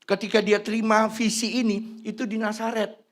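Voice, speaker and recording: Man, 50s, pastor's sermon, colloquial and chatty, somewhat high-pitched. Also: moderate pace. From Indonesia. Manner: lively, sweeping swings of pitch and loudness; colloquial, drops into Javanese slang. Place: church hall.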